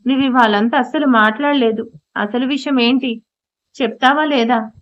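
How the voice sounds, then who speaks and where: A woman's voice: a little high, fairly even intonation, moderate pace, close to an everyday voice. A woman voicing an anguished young husband who pleads and then demands answers. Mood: demanding. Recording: dull lo-fi audio.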